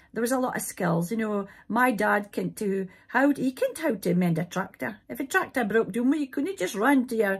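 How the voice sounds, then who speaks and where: A woman speaks in a northeast Scottish accent at a moderate pace, with hardly any pauses. Her voice is somewhat breathy and her intonation lively. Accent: north-east Scots (Doric). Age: 60s. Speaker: interviewer, former farmer. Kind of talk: interview.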